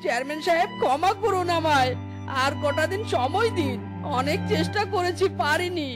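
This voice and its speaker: A woman's voice: extremely high pitch, normal speed. A woman voicing a poor, despairing fox father who pulls a rickshaw, pleading and self-pitying. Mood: begging. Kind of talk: cartoon voice acting. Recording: music bed behind voice.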